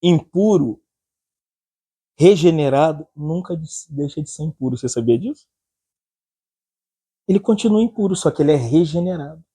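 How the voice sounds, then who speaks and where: A man's voice: on the high side, moderate pace, long pauses, dark tone, slightly rough. A man with a Brazilian accent preaching a humorous sermon, joking, laughing often and acting out anecdotes.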